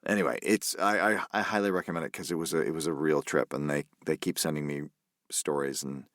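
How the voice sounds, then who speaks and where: A man's voice: extremely low pitch, steady tone, fairly quick, a bit bright, no echo, studio quality. A man who is a voice actor, a guest on a podcast, talking in an easygoing, rambling way. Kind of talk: casual podcast interview.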